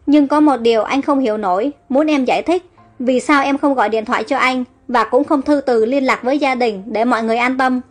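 A woman's voice: high-pitched, brisk. A woman voicing an earnest young man protective of his sister in a storybook reading, over faint background music. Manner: earnest, reassuring. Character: devoted young elder brother, earnest and protective.

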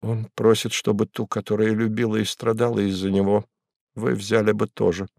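A man voicing a sorrowful, earnest male messenger who speaks quietly and sadly. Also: fairly low pitch, little pitch movement, normal speed, creaky, no echo, studio quality. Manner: quiet and sad.

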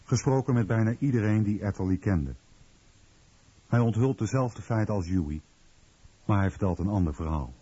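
A man's voice: lowish voice, moderate pace, long pauses, warm tone, breathy edge, dry recording, muffled recording. A man narrating a documentary from a script.

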